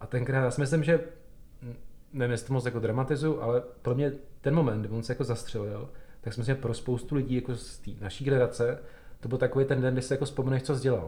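Talking at a very fast pace, a man has a medium pitch and fairly even intonation. His tone is dark and mellow, and his voice is somewhat breathy. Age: 40s. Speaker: podcast host. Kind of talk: casual interview. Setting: on location in an office.

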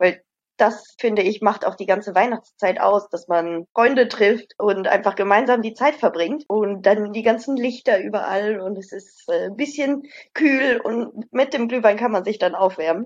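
A woman speaks at a fairly slow pace in a medium pitch, with ordinary pitch variation and a normal speaking voice. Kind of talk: casual chat.

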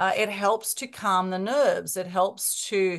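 An Australian accent marks this woman's medium-pitched voice. Her pitch varies in an ordinary way against a quiet background. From Australia, northern beaches of Sydney. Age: 40s. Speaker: media coach and TV host. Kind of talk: podcast interview.

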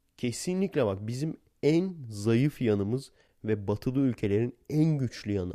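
The tone is dark and mellow, captured in a very clean recording against a silent background. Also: man. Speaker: podcast host, video editor. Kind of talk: casual monologue. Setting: home balcony at night. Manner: subdued, not loud at night.

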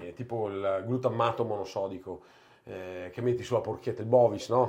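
A man talks at a moderate pace. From Veneto, Italy. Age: 40s. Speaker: bartender and restaurateur. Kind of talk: casual interview chat.

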